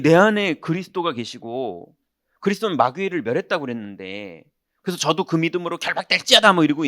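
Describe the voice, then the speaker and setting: A man preaching as a pastor, telling a personal story in an animated way and acting out the people in it. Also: on the high side, no room sound, clean studio sound. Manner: animated, acts out quoted voices, shouts punchlines. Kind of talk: sermon with storytelling. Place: church sanctuary.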